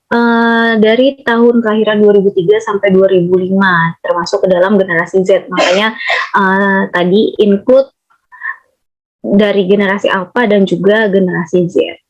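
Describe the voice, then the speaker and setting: A woman presenting a training lecture from slides, explaining steadily and often pausing on hesitations. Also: mid-range voice, fairly even intonation, dull audio.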